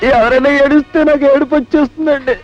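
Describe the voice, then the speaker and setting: Timid kind constable, high voice, fast pleading talk, dull film soundtrack with music. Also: male voice, lively intonation, a little mellow. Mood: soothing. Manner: deferential, pleading. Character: meek, kind-hearted male village constable. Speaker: police constable.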